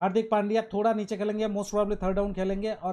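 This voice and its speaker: The voice has a dark, mellow tone with monotone, flat intonation. It moves at a moderate pace over a quiet background. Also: man. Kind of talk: match analysis commentary. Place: home room.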